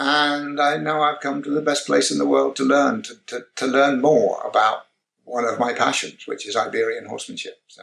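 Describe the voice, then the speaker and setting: Speaking fairly slowly, this man has a British accent. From UK. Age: 70s. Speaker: historical weapons specialist and TV presenter. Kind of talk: interview.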